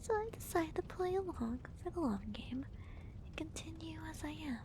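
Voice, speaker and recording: A woman playing a smug, theatrical villainess who gloats to her hero in a soft, breathy, deliberate whisper, as an ASMR roleplay. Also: high-pitched, lively intonation, background noise. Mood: smug, gloating. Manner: slow, deliberate, teasing, theatrical.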